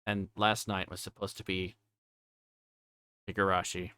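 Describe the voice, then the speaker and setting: A man's voice: low voice, level tone, unhurried, pushed and bright, clean tone, no room sound. A man chatting casually on a game livestream in a rambling, flustered way that keeps cutting itself off. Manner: rambling, flustered, self-interrupting. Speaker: livestreamer playing a visual novel. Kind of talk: casual livestream chat and story read-aloud. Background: game music.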